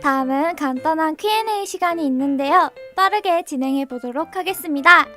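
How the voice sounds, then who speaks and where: Very high-pitched young woman presenting. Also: normal speed, bright, forceful tone, faint music behind. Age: young adult. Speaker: student radio Q&A presenter. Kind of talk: playful question reading.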